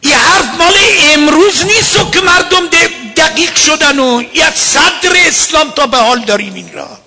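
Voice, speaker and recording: A man giving a religious lecture as a cleric, emphatic and at times rising to a shout. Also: very high-pitched, lively intonation.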